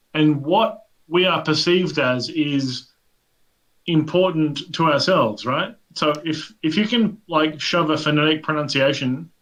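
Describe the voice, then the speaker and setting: Fairly slow delivery in an Australian accent, with very even loudness. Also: man, fairly high pitch for a man, ordinary pitch variation. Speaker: VR event host. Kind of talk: casual chat.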